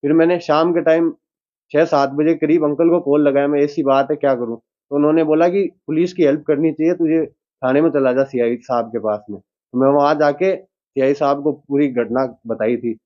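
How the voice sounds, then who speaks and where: A young man from Rajasthan, a driver telling a reporter what happened, in a plain and halting way. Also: fairly high pitch, fairly even intonation. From Rajasthan, India. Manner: plain, halting retelling with quoted dialogue. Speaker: taxi driver and witness. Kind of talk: news interview account. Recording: dull lo-fi sound.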